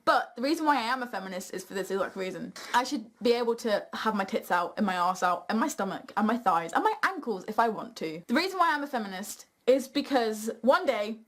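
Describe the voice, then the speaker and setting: A young woman with a British accent and a fairly high voice chats casually as a video host. She is blunt and opinionated, telling things like stories to friends. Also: a little fast, few pauses. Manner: blunt, sweary, animated storytelling. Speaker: video host reading viewer questions.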